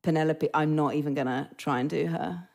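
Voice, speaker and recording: This time her low, darkish voice carries vocal fry, with brisk pacing and fairly even intonation. The British actress remains self-deprecating and filler-heavy in a casual podcast chat recorded remotely or in a studio.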